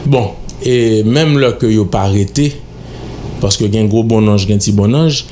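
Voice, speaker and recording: Emphatic, lower-voiced Haitian man lecturing. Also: normal speed, dark tone, slight background noise. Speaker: studio guest. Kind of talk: radio interview. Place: radio studio. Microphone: studio mic on stand.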